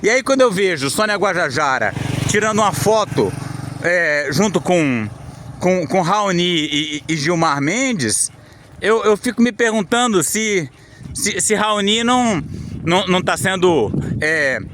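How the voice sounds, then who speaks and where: A man's voice: high voice, animated, measured pace. Indignant Brazilian man outdoors in the wind. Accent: Brazilian Portuguese. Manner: many repetitions and restarts, indignant. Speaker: channel host and commentator. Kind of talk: political commentary vlog. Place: outdoors, windy. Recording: windy outdoor noise.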